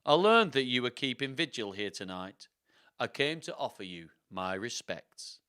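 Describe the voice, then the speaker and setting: A man's voice: a little high, big pitch swings, a little slow, sharp tone, full character voice. A man voicing a murderous, scheming male suitor in a storybook, with pleading, overwrought theatrical delivery. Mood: smooth, wounded. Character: melodramatic scheming murderous male suitor narrating his tale. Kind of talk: theatrical storybook read-aloud.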